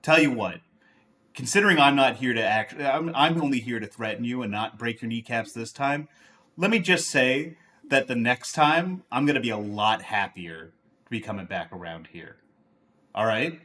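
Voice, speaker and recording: A man voicing a menacing, weary oni crime enforcer in a low gravelly growl, slow and condescending, in a tabletop game. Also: lively intonation, sharp tone. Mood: weary threatening.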